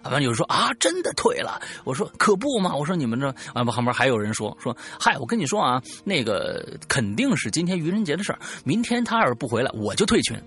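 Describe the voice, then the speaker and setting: A man, co-hosting a casual chat, telling a story with lively acted-out quotes. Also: a little high, fast, hardly any pauses, slightly rough. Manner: lively, acts out quoted lines.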